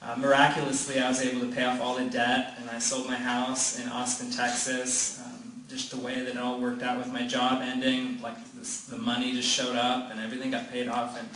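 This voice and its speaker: At a room gathering, a man recounts something that happened to him, talking a little fast with hardly any pauses in a mid-range, slightly bright voice and a completely flat delivery. He wanders, starts over, leans on "like" and keeps laughing. It's picked up by a far-off mic in an echoey, noisy room.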